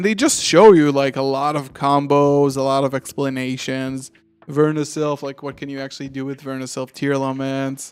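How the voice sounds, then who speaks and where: In an Israeli accent, a man talks at a moderate pace with a fairly high, flat, monotone pitch and big swings in loudness. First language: Hebrew. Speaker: card game streamer. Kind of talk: casual live stream chat. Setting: live stream. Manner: casual, many filler ums.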